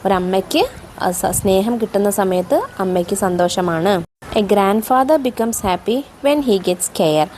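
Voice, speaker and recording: A woman teacher with a Malayali accent explaining a textbook, reading English lines slowly and then explaining them. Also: mid-range voice, darkish tone, slight background noise.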